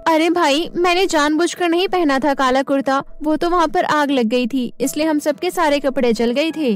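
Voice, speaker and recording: A woman voicing an earnest, easily upset young new bride in an expressive cartoon storybook style. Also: sits high, normal speed, soft background music, lightly acted. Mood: defensive, hurt. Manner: expressive, plaintive storybook dialogue.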